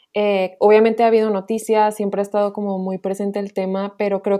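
Medium pitch from a woman, with a dark, mellow tone and monotone, flat intonation. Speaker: podcast guest, feminist podcaster. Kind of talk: casual discussion.

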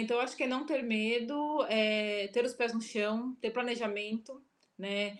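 A woman's high voice at a fairly slow pace. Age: 30s. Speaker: agency CEO. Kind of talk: interview. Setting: video call.

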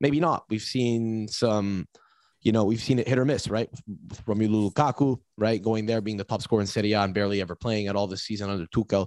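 A man with a plain, everyday voice speaks at a fairly low pitch and a fairly quick pace, his intonation fairly even. The sound is dry and close with no echo, over a quiet background. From Canada. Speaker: podcast co-host. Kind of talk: casual chat. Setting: studio.

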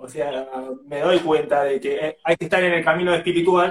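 At a moderate pace comes an unremarkable speaking voice. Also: man. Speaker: co-host. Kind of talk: interview.

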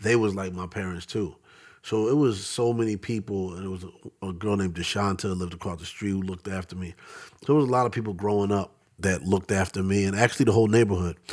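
On a very clean recording with a silent background, a man with a fairly low voice speaks very fast with fairly even intonation. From Philadelphia, Southwest Philly (born South Bronx, New York). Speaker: podcast host, DJ and creative entrepreneur. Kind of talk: solo storytelling monologue. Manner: casual, conversational with fillers.

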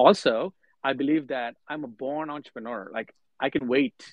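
Man with an Indian accent, ordinary pitch variation and a dry, close sound with no echo. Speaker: startup founder. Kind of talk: casual interview.

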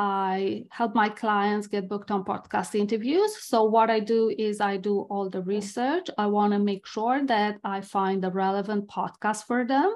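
A woman speaks with a Romanian accent. The background is quiet. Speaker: visibility coach. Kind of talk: interview. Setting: remote call.

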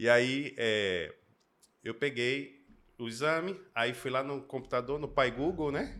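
Bright and sharp in tone, a man's voice unfolds at a very slow pace. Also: medium pitch for a man, ordinary pitch variation. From Manaus, Brazil. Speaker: children's pastor. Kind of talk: casual chat.

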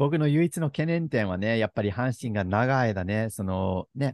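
Very wide pitch swings in a dry, close sound with no echo, against a quiet background. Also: man. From Canada. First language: English (speaking Japanese). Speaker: podcast host. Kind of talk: casual chat.

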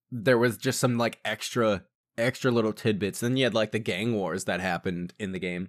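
A plain, everyday voice from a man with an American accent, fairly low in pitch, with fairly even intonation at a fairly quick pace, in a very clean recording with a silent background. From Michigan, US Midwest. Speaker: podcast co-host. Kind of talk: casual chat.

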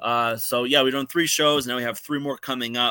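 A man's normal speaking voice, medium in pitch, with fairly even intonation. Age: 20s. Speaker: professional wrestler and promoter. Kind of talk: interview.

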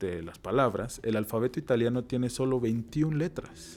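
The speaker has a plain, everyday voice with ordinary pitch variation at a moderate pace. The recording is very clean, with a silent background. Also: man. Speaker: podcast host. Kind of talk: casual interview.

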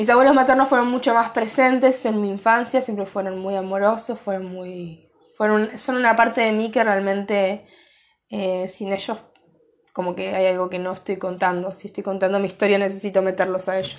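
A woman at a medium pitch and moderate pace with a Rioplatense accent. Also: fairly even intonation. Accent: Argentine Rioplatense Spanish. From Argentina, Bahía Blanca. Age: 20s. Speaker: podcaster. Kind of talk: personal monologue. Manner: casual, with frequent fillers.

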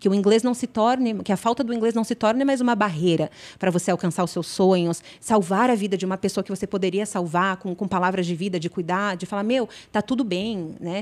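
A woman's animated voice at medium pitch, fairly quick, with ordinary pitch variation, on a very clean recording with a silent background. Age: 20s. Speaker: English teacher and content creator. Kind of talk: casual interview.

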